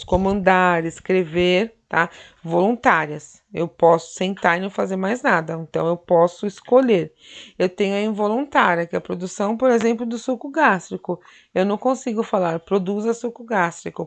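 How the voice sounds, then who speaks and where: A woman teacher, explaining anatomy in a recorded lecture, often checking in with tag questions and fillers. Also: medium pitch.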